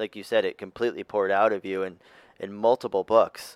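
An ordinary speaking voice at a moderate pace, heard in a very clean recording with a silent background. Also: man. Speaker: podcast host. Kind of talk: interview.

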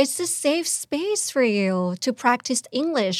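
A woman with a high pitch talks at a fairly slow pace. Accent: Thai. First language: Thai. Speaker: language practice buddy. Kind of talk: casual interview chat.

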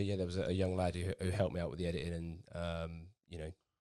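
A man's very deep, low voice at a very fast pace against a quiet background. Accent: London. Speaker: taxi driver and YouTuber. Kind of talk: casual chat.

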